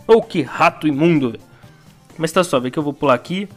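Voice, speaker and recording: A young Brazilian man giving excitable, slangy gameplay commentary as a gaming YouTuber, full of exclamations. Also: a little high, a little fast, soft background music. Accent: Brazilian Portuguese.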